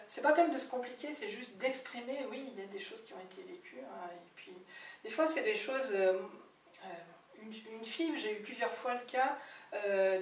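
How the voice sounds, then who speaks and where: A woman therapist telling client stories in a chatty, animated way, with many fillers and restarts. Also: fairly high pitch. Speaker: birth-history therapist. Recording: roomy, distant mic with faint background noise.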